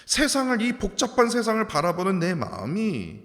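A male pastor giving an early-morning sermon, preaching with rhetorical questions and sudden drops to a hushed whisper. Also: sits high, huge pitch swings, moderate pace. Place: church sanctuary. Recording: long hall reverb.

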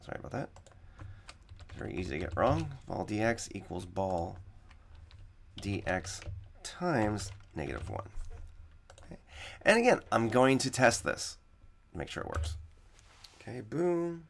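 A man with a slightly raspy voice teaching coding in a screen-recorded tutorial, explaining each step and repeating the key points. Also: on the low side, very animated, a little slow, long pauses, a little hiss or hum.

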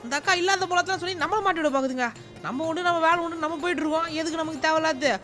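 A woman narrating a comic game role-play in an animated, exclaiming way. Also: extremely high pitch, rapid-fire, faint music behind. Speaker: gaming channel narrator.

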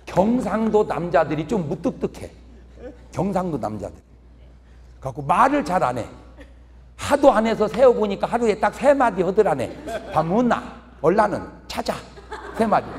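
A middle-aged male pastor delivers a comic revival sermon, his high voice swooping up and down as he tells stories and mimics people. The sound rings with long reverb through a large church hall. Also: a little hiss or hum. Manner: animated storytelling, mimicking regional dialect speakers.

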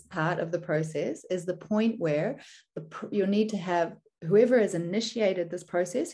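A woman speaks with a New Zealand accent in a deep, soft-edged voice. She presents like a seminar teacher, measured and explanatory, setting out points step by step. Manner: measured, didactic, poses rhetorical questions.

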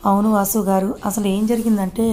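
A woman voicing an anxious young woman in love, in a soft, plain reading voice. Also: mid-range voice, level tone, fast talker, natural voice. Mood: calm.

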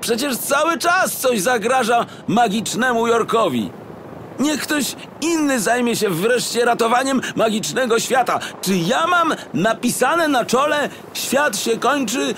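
A man plays a flustered detective from a children's story, whiny and indignant. The high, forceful voice leaps about in pitch. There is faint helicopter noise behind. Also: lively intonation, unhurried, heavily acted. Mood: offended. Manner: indignant, exclamatory, stammering. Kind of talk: audiobook character acting for children.

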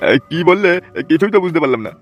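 A man's voice: on the high side, animated, very fast, lo-fi sound, soft background music. A man voicing a fussy, easily cowed elderly Hindu priest in a comedy cartoon. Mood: curious, fussy.

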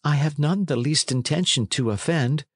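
A man's voice: on the high side, moderate pace, husky, no room sound, studio quality, voice pushed up. A man voicing a plaintive, delicate but proud young runaway in a storybook, in courtly pleading archaic speech. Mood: pleading, rueful. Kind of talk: storybook character reading.

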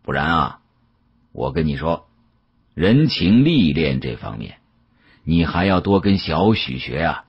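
Man voicing a very deep, husky old patriarch. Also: sing-song, lo-fi sound, heavily acted. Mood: amused, advising. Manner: measured, sighing, avuncular. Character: kindly, shrewd old family patriarch, measured.

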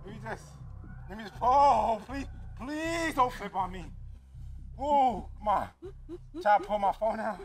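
High-pitched, nervous young African American man. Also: expressive, a little slow, pauses often, a little mellow. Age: 20s. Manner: nervous, exclamatory, repeats himself. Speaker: vlogger testing a homemade boat. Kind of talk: excitable casual outdoor vlog chat. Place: outdoors on a wooded pond.

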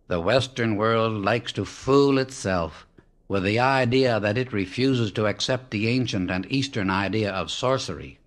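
A man reading a spiritual book aloud as an audiobook narrator, in a measured, emphatic way that slows down on key words. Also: mid-range voice, fairly bright tone. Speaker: audiobook reader. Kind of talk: solemn scripted reading of spiritual teachings.

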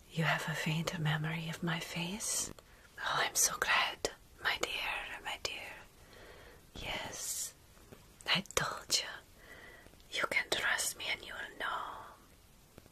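A woman in her thirties voicing a tender, motherly vampire in a soft, soothing whisper for ASMR roleplay, close to the mic. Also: deep voice, exaggerated voice. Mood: tender, reassuring. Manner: soothing, slow, reassuring. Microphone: close ASMR microphone.

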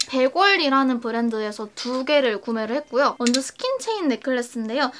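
A young woman chatting excitably and casually to camera as she reviews a shopping haul, in a bubbly way. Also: high-pitched. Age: young adult. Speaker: beauty and fashion vlogger. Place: small indoor room set, seated. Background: background music.

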